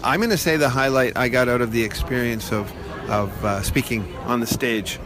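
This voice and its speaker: A man's voice: medium pitch, moderate pace, crowd noise. Male contestant from Canada, plain hesitant delivery, noisy crowded convention floor. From Ontario, Canada. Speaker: speech contest competitor.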